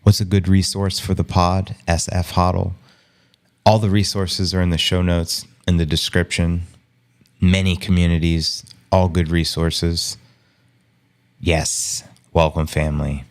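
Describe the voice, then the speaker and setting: Very deep, hushed male stream host. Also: level tone, a little slow. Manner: hushed and low-key, chuckling often. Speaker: livestream host. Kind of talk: casual live market commentary.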